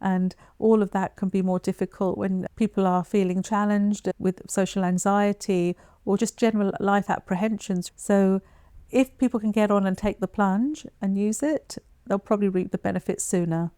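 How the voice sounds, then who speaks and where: A woman giving an informal instructional talk as a voice therapist, in a measured, conversational, explanatory way. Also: medium pitch, fairly even intonation, warm tone, clear, resonant tone, no echo, clean studio sound. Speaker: voice therapist presenting advice.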